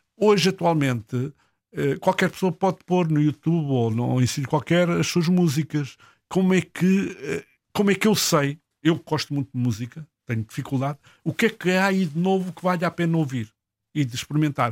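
A man speaks at a moderate pace with a fairly high pitch and ordinary pitch variation, in an unremarkable speaking voice. The recording is very clean with a silent background and a dry, close sound with no echo. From Portugal, Trás-os-Montes (Vila Flor, Bragança). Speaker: film producer. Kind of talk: radio interview. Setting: radio studio.

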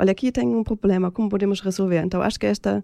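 A woman with a German accent speaks fairly quickly in a dark, mellow tone at a medium pitch with ordinary variation, the sound dry and close with no echo over a quiet background. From Germany/Austria. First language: German (speaking Portuguese). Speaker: recycling project organizer, product designer. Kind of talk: radio interview. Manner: halting.

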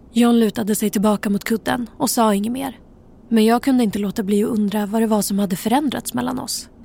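With fairly even intonation, someone reads aloud in a natural voice.

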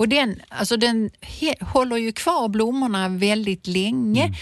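On a very clean recording with a silent background, a woman with a plain, everyday voice talks at a fairly slow pace with lively intonation. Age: 60s. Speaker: gardening expert. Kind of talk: casual chat.

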